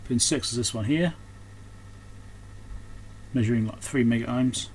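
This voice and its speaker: A man's voice: mid-range voice, a little slow, a little mellow. A man giving casual, unscripted hands-on repair commentary, thinking aloud as he works. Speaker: host of an electronics repair channel. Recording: clearly noisy background.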